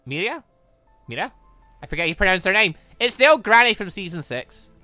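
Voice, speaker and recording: Let's player rambling excitedly over a game, really animated, dry close sound, music behind. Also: mid-range voice, brisk, no echo. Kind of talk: excited gameplay commentary mixed with reading dialogue aloud.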